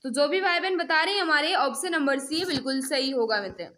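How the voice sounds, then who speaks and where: High-pitched woman teaching a quiz class. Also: expressive, brisk, pushed and bright. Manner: repetitive prompting, addresses learners directly as friends. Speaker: teacher hosting an online exam-prep class. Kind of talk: interactive mock-test lesson, quizzing viewers.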